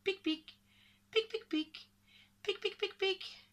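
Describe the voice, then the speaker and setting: A woman's voice: very high voice, slow pace, a bit bright, voice pushed up, exaggerated voice. A woman voicing small forest creatures in a storybook with repeated onomatopoeic syllables. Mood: brisk chirpy. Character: small forest animals: pecking, buzzing, cawing, chattering creatures.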